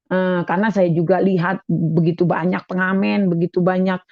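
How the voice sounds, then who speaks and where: A young woman from Madura tells her personal faith testimony in an earnest way, circling back over her own phrases. Her voice carries a gravelly fry. The recording is dull and lo-fi, with a dry, close sound. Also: fairly low pitch, little pitch movement, moderate pace, no echo. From Madura, Indonesia. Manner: earnest, repeats phrases as she recounts. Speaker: testimony speaker.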